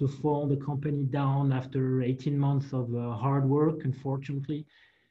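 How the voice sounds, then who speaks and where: A man with a French accent speaks at a fairly high pitch, somewhat breathy. His intonation is monotone and flat. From France. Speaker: business executive. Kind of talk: webinar presentation.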